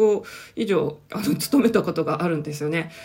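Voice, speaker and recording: A woman with a plain, everyday voice talks at a fairly quick pace with lively intonation. The recording is very clean, with a silent background. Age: 40s. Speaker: career counselor and podcast host. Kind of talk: solo podcast talk.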